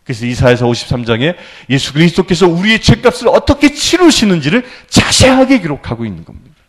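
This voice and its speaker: Animated priest with a high, lively voice. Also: male voice, fast talker. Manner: animated, keeps prompting listeners with questions. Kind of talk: sermon lecture. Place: church.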